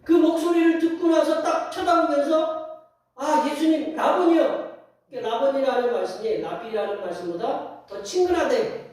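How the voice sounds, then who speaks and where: A man's voice: extremely high pitch, expressive, moderate pace, a little mellow. A man preaching as pastor in a folksy storytelling sermon, acting out scenes and asking the congregation questions. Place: church sanctuary. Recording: very echoey hall, distant mic.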